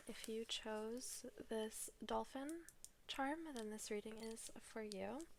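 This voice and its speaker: A woman's voice: a little high, a little hiss or hum. A woman giving a casual, chatty tarot reading with a stuffy nose, sounding slightly out of breath. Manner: chatty and relaxed, reads book passages aloud. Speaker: tarot reader.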